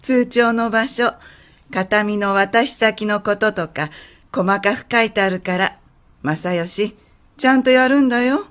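A woman acting as an elderly mother in a radio drama, brisk and confident at first, then quiet and halting. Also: medium pitch, natural voice. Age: older.

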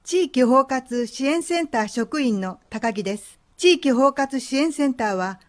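A woman's voice: high voice, lively intonation, measured pace. A woman acting as a helpful staffer at a community care center in a radio drama, polite and informative. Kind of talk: scripted explanatory dialogue.

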